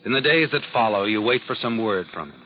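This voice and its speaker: A man's voice: lowish voice, animated, fast, lightly acted. A man playing an all-knowing, taunting narrator of crime tales on 1940s radio, insinuating with needling questions. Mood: taunting, ominous. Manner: insinuating, second-person questioning. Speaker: narrator and host. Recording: muffled old radio, loud music behind.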